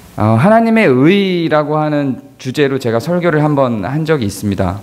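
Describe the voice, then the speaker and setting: A man's voice with very wide pitch swings at a moderate pace, audible room echo and noticeable background noise. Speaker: pastor. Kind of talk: sermon.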